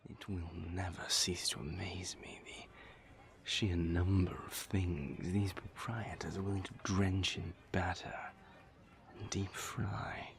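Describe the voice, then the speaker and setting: A man playing an urbane, old-souled vampire lover in an intimate audio roleplay, wry and tender, speaking in languid, formal phrases with a breathy murmur. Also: fairly even intonation, slow pace. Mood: amused. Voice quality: breathy, low, creaky.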